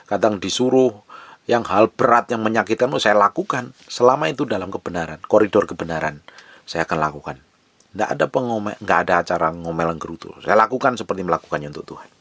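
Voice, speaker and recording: A male pastor preaching an animated sermon, with sudden high, emphatic bursts and quiet drops, close to the mic. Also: fast, dry recording.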